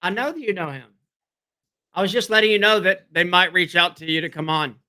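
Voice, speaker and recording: A man hosting a casual livestream and talking to his viewers, hoarse and losing his voice, clearing his throat and repeating himself as he rambles. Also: sits high, a little fast, bright, forceful tone. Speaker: livestream host.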